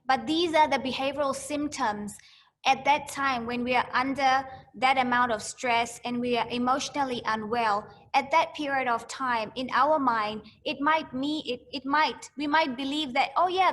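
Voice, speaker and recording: A woman's voice: high-pitched, measured pace, a bit bright, a little hiss or hum. A woman giving an educational talk to students, repeating phrases to drive home her points. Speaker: mental health educator.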